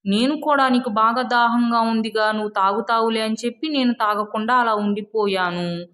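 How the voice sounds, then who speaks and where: A considerate young boy elephant in a storybook, played by a woman storyteller. The voice sits fairly high and sounds earnest and agreeable, with concern for a friend. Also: normal speed, a bit bright, lightly acted.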